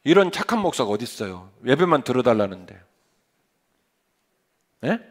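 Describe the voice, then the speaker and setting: A middle-aged male pastor preaches at a normal pace in a mid-range voice. His sermon is animated and conversational, full of rhetorical questions and humorous asides.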